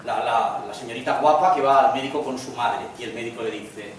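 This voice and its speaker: A man with a Spanish accent from Spain, giving a lecture in a chatty way and slipping in jokes with quick acted lines. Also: medium pitch, steady tone. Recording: echoey room from far off, faint noise.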